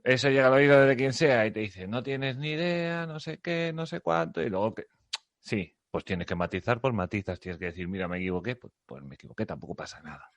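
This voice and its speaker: A man's voice: mid-range voice, animated, no room sound, dull audio. A man with a Spanish accent from Spain, hosting a podcast in casual, chatty conversation with a joking touch. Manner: chatty, joking, quick agreement sounds. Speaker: podcast host.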